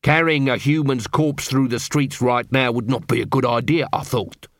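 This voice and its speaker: A man's voice: medium pitch, fairly even intonation, moderate pace, no echo, clean studio sound, lightly acted. A man voicing a practical, loyal dwarf guardsman in an audiobook, speaking plainly. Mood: matter-of-fact.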